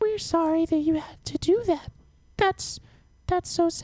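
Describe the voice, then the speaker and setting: An extremely high-pitched, put-on character voice comes at a moderate pace. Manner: sympathetic, consoling.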